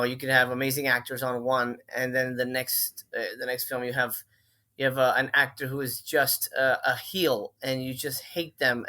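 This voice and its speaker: A middle-aged man from Miami chats as a podcast guest, his voice bright and forward. He talks in loose runs, full of "uh"s and restarts, sitting at a middle pitch. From Miami, Florida. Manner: chatty, many fillers and restarts. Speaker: film director and writer, podcast guest. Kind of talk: casual conversational interview.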